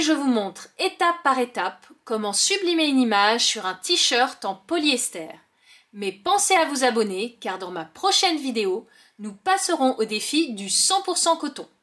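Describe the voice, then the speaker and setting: Femme au timbre un peu aigu expliquant un tutoriel. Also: female voice, high-pitched, a bit bright. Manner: clear, instructive, friendly explaining. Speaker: craft tutorial host. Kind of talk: step-by-step crafting tutorial.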